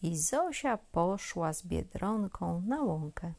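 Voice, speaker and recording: A woman reading a children's story aloud in a gentle, expressive way, often dropping to a near whisper. Her pitch rises and falls widely, she takes her time, and her voice has a gravelly edge. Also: takes it slowly.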